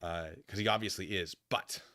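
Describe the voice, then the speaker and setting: A man with a fairly low voice and a bright, forceful edge talks casually as a livestream host. He muses through his opinions in a halting way, rewording and qualifying as he goes, with short emphatic phrases. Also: steady tone. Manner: musing, halting, often rephrasing and qualifying himself. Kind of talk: casual opinion monologue, answering chat comments.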